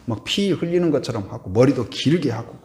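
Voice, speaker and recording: Animated Korean pastor in an echoey hall. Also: male voice, mid-range voice, a little fast. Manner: asks the congregation questions, then answers them softly; swings from loud to very quiet, trailing off on repeated words. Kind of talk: sermon. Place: church sanctuary.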